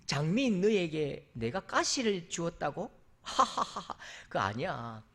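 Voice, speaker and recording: A male preacher voicing God gently and slowly answering a complaining rose. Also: fairly high pitch, sing-song, pitched below the performer's own voice, heavily acted. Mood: amused. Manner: slow, fatherly, chuckling.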